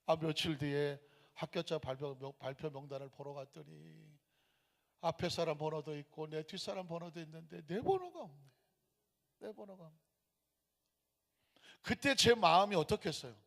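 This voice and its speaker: A man's voice: on the high side, normal speed, vocal fry, pauses often, a bit bright. A pastor in his fifties preaching emphatically in a church, with rhetorical questions and storytelling. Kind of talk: sermon. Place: church sanctuary. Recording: long church-hall reverb.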